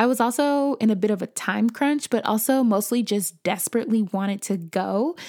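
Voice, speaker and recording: A woman with an American accent speaks at a moderate pace in a fairly high pitch, on a very clean recording with a silent background. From Chicago. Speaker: podcast host. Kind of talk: casual solo podcast chat.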